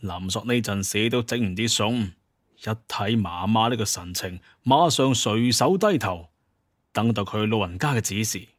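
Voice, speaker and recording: A man narrating a scripted story in colloquial Cantonese, with an expressive storyteller's delivery. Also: lowish voice, moderate pace, no room sound, clean studio sound. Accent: Hong Kong or Guangdong Cantonese.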